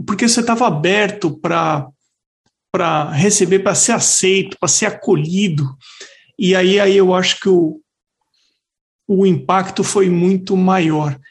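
High, gravelly-voiced male interviewer. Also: fairly even intonation, measured pace. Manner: reflective, probing questions. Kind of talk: conversational interview.

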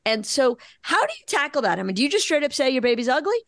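A woman's voice: sits high, sing-song, fast talker, a bit bright, no echo, clean studio sound. A woman co-hosting a podcast, asking wry, direct questions. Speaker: podcast co-host. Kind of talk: podcast interview.

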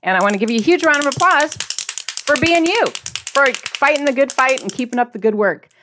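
A woman's voice: high-pitched, expressive, fairly quick, background noise. Upbeat, encouraging woman podcast host. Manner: chatty, with fillers. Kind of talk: casual chat about cooking.

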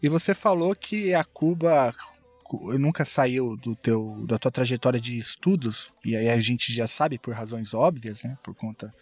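A man's voice: mid-range voice, a little slow. A man co-hosting a podcast, chatting casually and joking with his guest. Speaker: podcast co-host.

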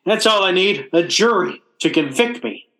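Man acting wounded blue-collar dad, blustery, folksy grammar, animated pitch, old-time radio comedy, roomy echo. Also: normal speed. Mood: indignant. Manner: blustery, stammering, folksy ungrammatical speech. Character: blustering, wounded working-class family father, exasperated and self-pitying.

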